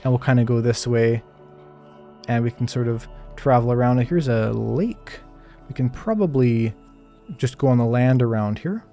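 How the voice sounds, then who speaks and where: Soft-spoken calm male streamer. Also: mid-range voice, moderate pace, faint music behind. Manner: calm, soft-spoken, lots of hedges and fillers. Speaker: Minecraft streamer. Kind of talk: live gameplay commentary answering chat.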